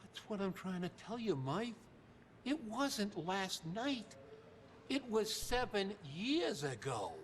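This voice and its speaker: A streetwise, scolding pal in a video game, worried and exasperated. His highish voice swings wildly in pitch at an unhurried pace, in a very reverberant space. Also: heavily acted. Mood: urgent concern. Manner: colloquial, scolding, animated. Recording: long reverberant hall, faint noise.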